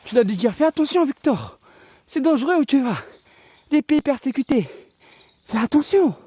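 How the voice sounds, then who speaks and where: High-voiced man preaching outdoors. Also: sing-song, moderate pace, warm tone. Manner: exhorting, addresses viewers as friends; walking and climbing while talking. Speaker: evangelist. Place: outdoors on a hillside trail. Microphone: handheld phone camera.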